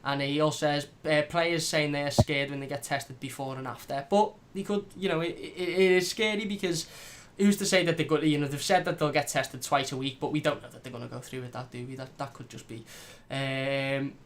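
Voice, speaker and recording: A man hosting a fan channel, chatting casually and reading out live comments, blunt and animated. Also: mid-range voice, fairly quick, few pauses, slight background noise. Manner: animated, blunt, swears lightly.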